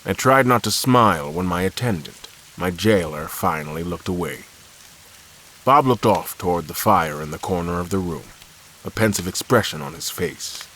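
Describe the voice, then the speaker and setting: A deep male voice tells a captive's story in the first person. He is brooding and calculating, choosing formal words with deliberate care. Faint hiss and rain sit behind this audio drama narration. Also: animated, fairly bright tone, poor audio. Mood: brooding, resolute.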